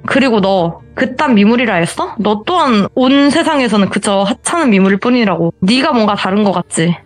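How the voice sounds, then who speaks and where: A woman voicing a small, fierce young woman shaman who scolds and scorns in a told horror story. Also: on the high side.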